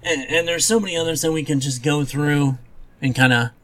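A man's voice: on the high side, fairly quick, fairly bright tone. A man co-hosting a podcast, chatting casually and informally. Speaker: podcast co-host. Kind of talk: casual chat about movies and video games.

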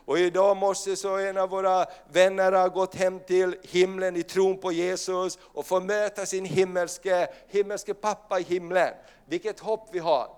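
A high, clear-voiced man preaches a sermon with storytelling fervor. He is middle-aged and acts out the voices in the story as he goes. His tone is smooth and resonant. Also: flat delivery, hardly any pauses, darkish tone. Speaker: pastor.

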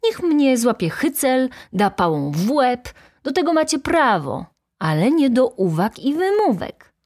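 A woman voicing a hot-tempered, indignant poor young male student who shouts in outrage. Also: mid-range voice, expressive, a little slow, pitched above the performer's own voice.

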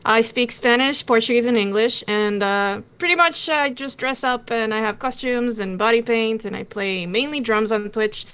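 A woman's voice: a little high, moderate pace, few pauses, a bit bright, clean tone. A woman from Costa Rica, a podcast guest chatting casually in a bubbly way. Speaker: guest, Twitch drummer.

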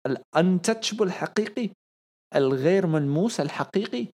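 A young man, co-hosting a podcast in casual commentary, excitable and repeating phrases for emphasis. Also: high voice, normal speed. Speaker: podcast co-host.

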